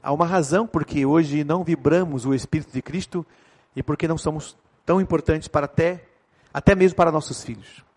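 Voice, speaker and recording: High-voiced Brazilian pastor, joking sermon. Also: male voice. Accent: Brazilian Portuguese. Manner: joking, animated storytelling.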